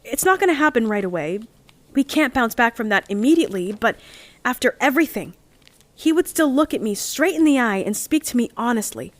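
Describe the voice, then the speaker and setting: A woman's voice: a little high, animated, a little fast, dry recording, close to an everyday voice. A woman playing an earnest, lovestruck young member of a heist crew in an audio drama, speaking in a heartfelt, confessional way. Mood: remorseful, tender. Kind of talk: audio drama monologue and dialogue.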